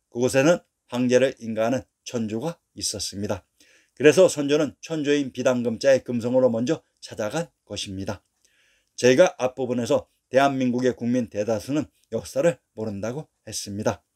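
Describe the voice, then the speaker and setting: A man narrating a scripted history lesson in a steady, declarative reading voice, posing rhetorical questions along the way. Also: mid-range voice.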